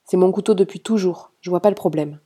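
A woman's voice: fairly low pitch, fast talker, dark tone, breathy edge. A woman reading the lines of a stubborn teenage boy who brushes off requests in a curt, dismissive way.

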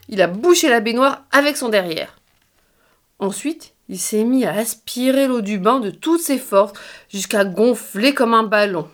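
A mother reading a children's bedtime story aloud into a phone, in a lively, sing-song storytelling manner. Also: a little high.

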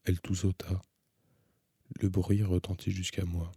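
A male audiobook narrator with a deep, husky, dark voice reads in a measured, subdued way. His delivery stays flat and even, and the recording is close and dry with no room around it. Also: dry recording.

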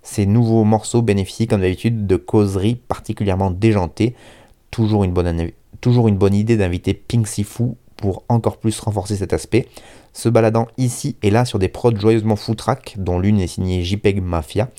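A man's voice: on the low side, fairly even intonation, normal speed, dark tone. A man presenting a hip-hop radio show in a casual, self-mocking way, often stumbling over his words and reading a review aloud. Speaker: radio host.

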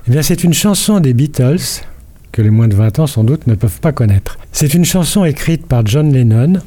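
A man's voice: mid-range voice, expressive, normal speed, mellow. Older man telling a radio culture story. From France. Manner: playful storytelling, quizzing the host. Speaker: culture columnist. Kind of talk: radio chronicle, partly read.

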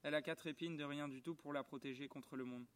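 A man reading aloud and speaking the lines of a gentle, earnest little boy prince in a soft, quiet voice close to his own, outdoors in a garden. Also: fairly high pitch, steady tone, fast, lightly acted. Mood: tender, sad.

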